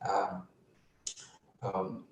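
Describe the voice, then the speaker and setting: A man from Russia giving an academic webinar presentation on research, speaking in a measured way with many pauses. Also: lo-fi sound, a little hiss or hum. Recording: echoey room, far from mic.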